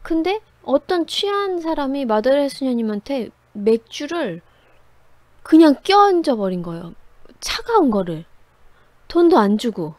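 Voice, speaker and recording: A woman in her thirties gives a lively lecture, her fairly high voice swinging up and down as she tells stories from her own working life. She talks conversationally and laughs easily. The recording is close and dry, with no room sound. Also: a little slow, dry recording. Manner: animated storyteller, conversational, laughs often. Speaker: writing instructor.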